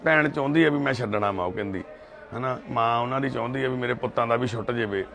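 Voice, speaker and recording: A man with a Punjabi accent, a social worker, calmly explaining to the camera outdoors in a village. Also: medium pitch, gravelly. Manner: loud coaxing calls, then measured earnest talk. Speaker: social worker helping addicts. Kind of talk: pleading on the scene, then calm explanation to camera.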